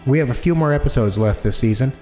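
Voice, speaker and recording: A man's voice: mid-range voice, fast talker, darkish tone, faint music behind. A man reading a scripted podcast outro as the show's host, with credits and thanks to listeners.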